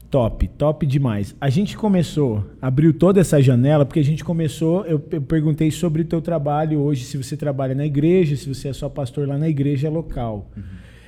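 The voice has a dark, mellow tone, somewhat breathy, and moves at a moderate pace. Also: man, fairly high pitch for a man, ordinary pitch variation, hardly any pauses. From Rio de Janeiro, Brazil. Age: 30s. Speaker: podcast host. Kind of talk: casual chat.

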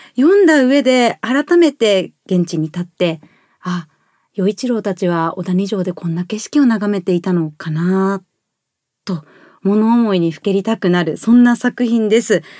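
A woman with a medium-pitched voice and a dark, mellow tone talks at a fairly slow pace, the sound dry and close with no echo. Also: lively intonation. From Japan, Aichi (Okazaki). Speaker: weather presenter and castle enthusiast. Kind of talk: casual chat. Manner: animated.

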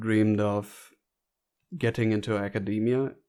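The speaker has a German accent and monotone, flat intonation. The recording is very clean, with a silent background. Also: man. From North Rhine-Westphalia, Germany. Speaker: podcast host, earth sciences student. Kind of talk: casual chat.

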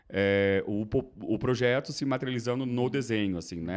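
A man's voice against a quiet background. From Santa Catarina, Brazil (Balneário Camboriú). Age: 30s. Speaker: interior designer. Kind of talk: interview. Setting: podcast studio at a design exhibition.

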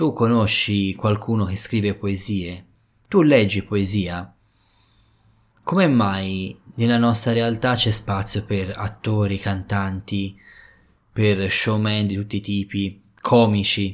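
Long pauses come often as a man speaks at a very slow pace with fairly even intonation. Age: 30s. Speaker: podcast host and poet. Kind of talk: reflective monologue.

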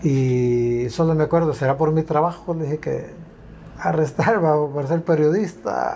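Through noticeable background noise, a man with a fairly high pitch talks at a fairly slow pace with ordinary pitch variation. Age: 50s. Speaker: community journalist and former detainee. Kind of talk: testimony.

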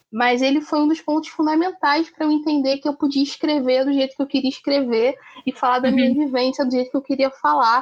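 In a high pitch, a woman talks at a fairly quick pace with hardly any pauses, very even loudness and a monotone, flat intonation. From Brazil, Rio de Janeiro. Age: 20s. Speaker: YouTuber and podcaster. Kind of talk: casual chat.

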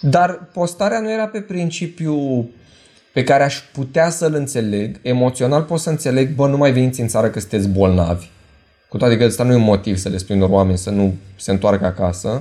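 Over music in the background, a man speaks fairly quickly at a medium pitch, his voice making very wide pitch swings. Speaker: podcast host. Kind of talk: casual chat. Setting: video call.

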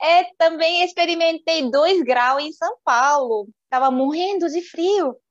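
A woman talks very slowly in an extremely high pitch, with hardly any pauses. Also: ordinary pitch variation. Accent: Korean. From South Korea. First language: Korean (speaking Portuguese). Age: 30s. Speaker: Korean language teacher and youtuber. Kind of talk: interview conversation. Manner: halting.

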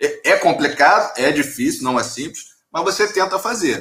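Raising and projecting his voice, a man speaks with a high pitch and a bright, sharp tone. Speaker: actuarial professor. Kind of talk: live webinar presentation. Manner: halting, many repetitions.

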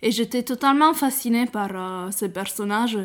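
A woman with an Italian accent at a fairly high pitch and moderate pace, on a very clean recording with a silent background. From northern Italy (Piedmont). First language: Italian (speaking French). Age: 20s. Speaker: queer community activist. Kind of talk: testimony.

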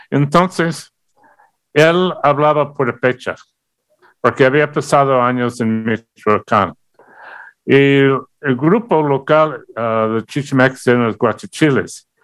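Very slow speech with long, frequent pauses and ordinary pitch variation. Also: man, fairly high pitch for a man. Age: 60s. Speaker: retired historian. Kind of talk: interview.

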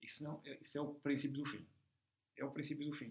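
This man speaks with a European Portuguese accent at a very fast pace. His pitch is fairly high. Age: 50s. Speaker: farmer and blogger. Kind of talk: interview.

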